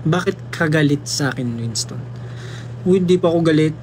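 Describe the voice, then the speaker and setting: A man's voice: a little high, moderate pace, darkish tone, a little hiss or hum. Playful Filipino young man on a phone livestream. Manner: playful, teasing, mixes Tagalog and English. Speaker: livestream host reading fan comments. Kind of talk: casual livestream chat.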